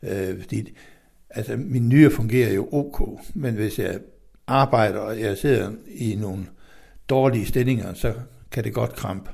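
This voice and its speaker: Man, middle-aged, from western Denmark, dark husky voice, halting, rambling, many fillers. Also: lowish voice. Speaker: interview guest. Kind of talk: personal storytelling in an interview.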